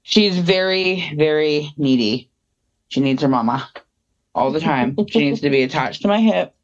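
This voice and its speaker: A woman co-hosting a podcast in casual chat, easygoing and agreeable and quick to giggle. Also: deep voice. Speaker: podcast co-host. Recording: dull lo-fi sound.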